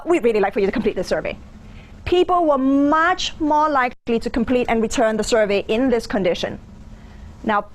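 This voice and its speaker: A woman in her thirties with a mixed Singaporean and American accent, giving an informal, conversational lecture. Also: a little high. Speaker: business school lecturer. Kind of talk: interactive lecture with anecdotes. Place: lecture theatre with audience. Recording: background noise of a lecture room.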